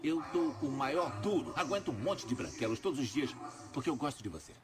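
A man's voice: medium pitch, sing-song, a little fast, music in the background, lightly acted. An actor dubbing a film role as a stern, hardworking father harshly lecturing his teenage son. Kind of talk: dubbed film scene.

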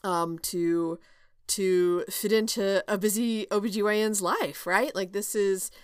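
A woman's voice: mid-range voice, steady tone, unhurried, smooth, no room sound, studio quality. A woman hosting her own podcast, talking casually and candidly with lots of fillers, restarts and light laughs. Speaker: podcast host and OB/GYN. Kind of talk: casual solo podcast chat.

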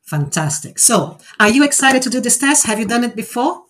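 A woman's voice: fairly high pitch, sing-song, a little fast, fairly bright tone. A woman in her forties, a native Portuguese speaker, hosting an online speaking exercise and explaining it in an encouraging way. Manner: explanatory, encouraging, frequent "right?" tags. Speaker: host of a speaking exercise session. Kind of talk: casual online group session.

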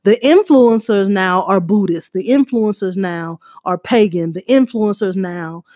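A woman's voice: mid-range voice, unhurried, darkish tone, no room sound. Dry, close-sounding woman co-host. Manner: teasing, explains points with rhetorical questions. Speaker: podcast co-host. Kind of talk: casual panel chat.

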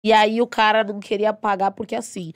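A woman's voice: medium pitch, fairly quick, clean tone, no room sound, studio quality. Outspoken, blunt woman on a podcast. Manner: outspoken, blunt, animated, swears freely. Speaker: podcast guest, dance teacher. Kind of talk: casual storytelling.

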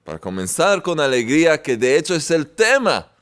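A man's voice: on the high side, big pitch swings, normal speed, smooth. A man giving a sermon-like spiritual talk, repeating phrases and chuckling often between points. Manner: warm-hearted, repetitive, chuckling often. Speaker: spiritual teacher.

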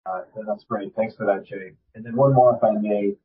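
A man asking polite, halting questions as an analyst over a video call, his audio carrying an echo. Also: lowish voice, fairly even intonation, slightly rough. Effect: echo on his audio line. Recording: muffled echoey call audio.

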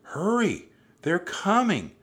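A man's voice: on the low side, wildly swooping pitch, normal speed. A man voicing a spirited, urgent young girl adventurer in an audiobook story. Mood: frantic shouting.

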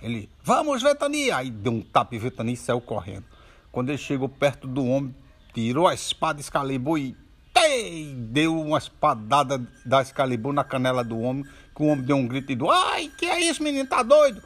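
A man telling children's folk stories aloud in an animated way, with sound effects and asides. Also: mid-range voice, brisk, slightly rough. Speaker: storyteller. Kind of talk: oral children's storytelling.

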